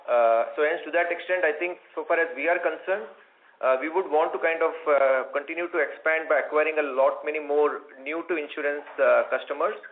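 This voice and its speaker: A man with an Indian accent answering questions as a company executive on an earnings call, in measured corporate phrasing with frequent hedges. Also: fairly high pitch. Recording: narrow tinny phone-line audio.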